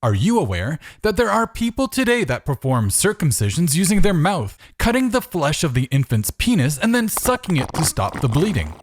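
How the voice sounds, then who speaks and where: A man's voice: a little high, huge pitch swings, normal speed, hardly any pauses. A man delivering scripted rebuttal commentary as a video host, in a sarcastic manner full of rhetorical questioning.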